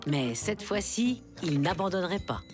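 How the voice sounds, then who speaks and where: A woman acting as the gentle storybook narrator of a children's cartoon, reading scripted narration. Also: lowish voice, sing-song, moderate pace, loud music behind the voice. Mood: gentle storytelling.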